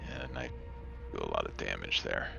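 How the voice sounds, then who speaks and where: A man playing a tabletop game, talking casually and hesitantly as he thinks his moves out loud. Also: a bass voice, a little fast, creaky. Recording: muffled lo-fi mic, faint music behind.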